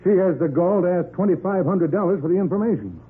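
A man's voice: high-pitched, fast, slightly rough, narrow, tinny audio. A man playing an irritable, tight-fisted department store president, pompous and curt, in 1940s radio style on an old recording. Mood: indignant.

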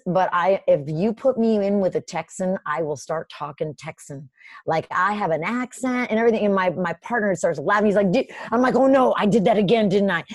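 A woman guest in a casual interview, telling stories in a lively way with many "like" and "you know" fillers. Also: lowish voice, dry recording. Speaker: podcast guest.

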